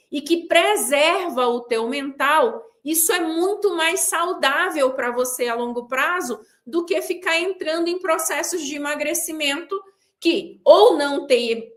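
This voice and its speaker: A woman with a high voice talks straight to her viewers, seated for an online class. She is emphatic, driving her points home by repeating a short, clipped punchline again and again. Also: fairly bright tone. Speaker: weight-loss coach hosting a pre-event class. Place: seated indoors.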